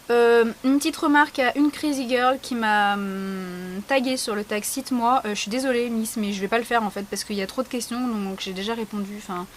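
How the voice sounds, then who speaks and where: A woman's voice: mid-range voice, slight background noise. A young woman vlogger talking casually and bluntly, sarcastic and frank, with lots of fillers. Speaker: beauty vlogger. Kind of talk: casual vlog answering a question tag.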